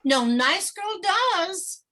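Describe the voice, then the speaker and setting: A woman playing an anxious, prudish small-town mother who chatters and nags excitably in a dramatic screenplay reading. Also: sits high, takes it slowly, heavily acted. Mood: prim, firm. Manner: excitable, nagging, emphatic. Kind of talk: dramatic screenplay table read.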